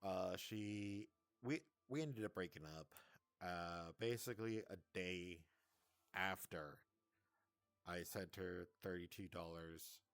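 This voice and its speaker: A man's voice: low-pitched, takes it slowly, fairly bright tone, no room sound. A man casually recounting a breakup in a vlog, hesitant and rambling, often stammering and restarting.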